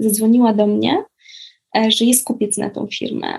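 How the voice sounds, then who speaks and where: A woman's fairly high, somewhat breathy voice with fairly even intonation. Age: 30s. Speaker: life coach. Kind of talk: interview.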